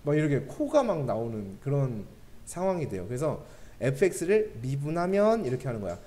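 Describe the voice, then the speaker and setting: Lively man teaching math. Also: mid-range voice. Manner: keeps checking understanding with quick questions to students; joking asides between explanations. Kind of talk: classroom math lecture.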